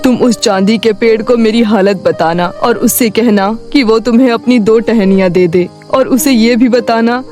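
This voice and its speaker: Lady doing a wise old magic tree, solemn n earnest, cartoon story, soft music under. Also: on the high side, normal speed, few pauses, natural voice. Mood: earnest, instructing. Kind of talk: cartoon moral story voice acting.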